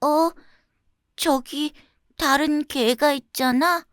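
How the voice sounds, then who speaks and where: A woman voicing a small, greedy, childlike stray puppy in a storybook, with slow, exaggerated delivery. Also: sits high, steady tone, no echo, clean studio sound, voice pushed up. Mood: surprised, curious.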